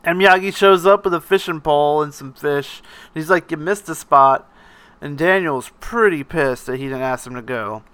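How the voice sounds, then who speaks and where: A man's voice: fairly high pitch, moderate pace, fairly bright tone, clean tone, dry recording. A man hosting a casual film recap, rambling along, laughing often and swearing freely. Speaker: podcast host recapping a film.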